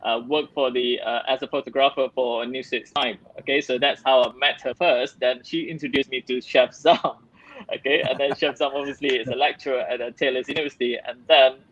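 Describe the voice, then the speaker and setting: Male host of an online cooking show, mid-pitched, loose and chatty; slightly lo-fi sound. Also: fairly even intonation, fairly quick. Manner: upbeat, rambling with fillers.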